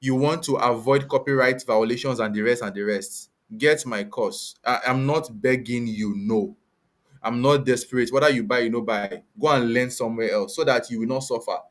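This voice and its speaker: A man's voice: mid-range voice, normal speed. Male live-stream host, West African accent, casual Pidgin English, blunt and admonishing delivery, straight to the listener. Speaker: host and content creator.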